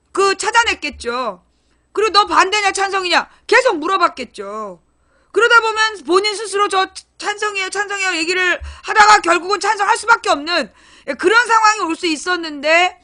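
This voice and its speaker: A woman with a very high voice talks straight to her live-stream audience, blunt and crude in her wording. Her tone is bright and forceful, and she slips into loud acted-out scenes to make a point. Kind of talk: casual live-stream chat.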